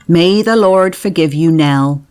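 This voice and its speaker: A woman's voice: fairly low pitch, moderate pace, a little mellow, lightly acted. A woman voicing a frantic peasant widow mother, wailing and pleading. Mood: distraught.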